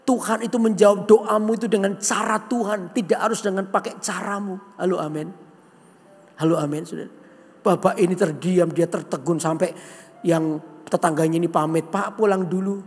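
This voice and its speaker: Animated high-voiced man preaching in a hall. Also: normal speed, breathy edge. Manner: animated storytelling, voices characters, asks congregation. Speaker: pastor. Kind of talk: sermon with acted-out story. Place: large church hall. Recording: long hall reverb.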